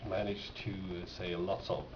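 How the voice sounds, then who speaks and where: A man with a Swedish accent, a native Swedish speaker, talks casually and haltingly as he shows items from his collection, often pausing mid-sentence. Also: deep voice, level tone. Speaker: record collector presenting finds. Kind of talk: casual unscripted show-and-tell. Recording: dull, echoey, noisy amateur room recording.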